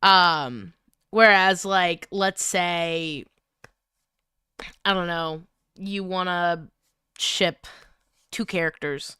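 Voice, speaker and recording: A woman's voice: lowish voice, sharp tone, smooth, dry recording, studio quality. A woman hosting a livestream, chatting casually in a playful, talkative manner. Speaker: livestream host.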